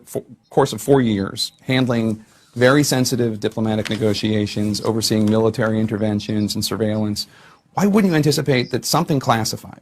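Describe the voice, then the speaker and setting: A man interviewing formally in a broadcast style, asking long, probing, layered questions. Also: on the low side.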